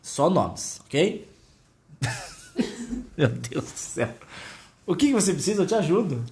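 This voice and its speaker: A man preaching a devotional teaching, telling a story and addressing viewers directly in an animated way. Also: a little high, slow.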